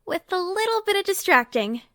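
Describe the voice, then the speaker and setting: High female voice, very dry sound, bossy young planner, exasperated, audio drama, acted by a woman. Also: sing-song, fairly quick, a bit bright, no room sound, heavily acted. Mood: thoughtful.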